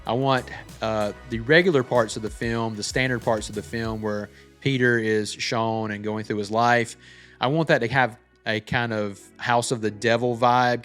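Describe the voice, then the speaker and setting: A man's voice: medium pitch, a bit bright. A man giving a casual tutorial as a filmmaker, walking through how a short film was made. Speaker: filmmaker presenting a breakdown of their own short film. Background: background music.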